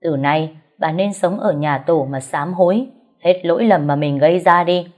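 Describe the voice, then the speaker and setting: A woman's voice: fairly low pitch, moderate pace, a little mellow, close to an everyday voice. A woman reader voicing a tired, stern older man who heads the family. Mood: weary stern. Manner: heavy, sighing and firm.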